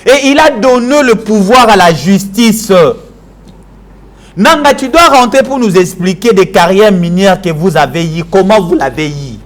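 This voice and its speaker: A man's voice: high-pitched, expressive, a little slow. A man from Kinshasa with a Congolese French accent, delivering a combative political tirade on a TV show and switching into Lingala. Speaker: political commentator.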